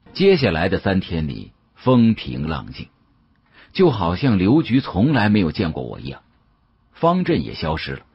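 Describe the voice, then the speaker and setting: A man narrating an audiobook as a first-person story, in a colloquial, expressive, dramatic way. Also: deep voice, slightly rough, no echo, muffled recording.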